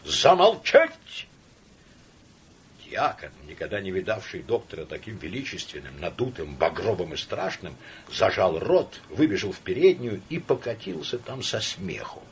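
A man narrating classic fiction as an audiobook in an expressive, varied storytelling manner. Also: low voice, moderate pace, slight background noise.

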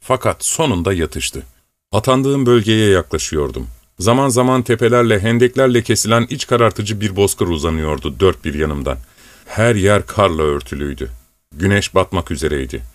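A man reads an audiobook in a measured storytelling manner. His voice sits low and the sound is dry and close. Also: lively intonation, no room sound. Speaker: audiobook narrator. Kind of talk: scripted narration.

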